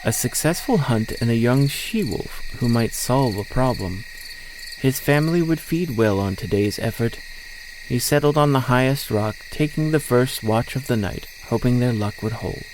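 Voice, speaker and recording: A man's voice: mid-range voice, animated, normal speed, noisy background. A man reading a scripted story as the narrator of an audio drama. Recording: faint outdoor nature ambience.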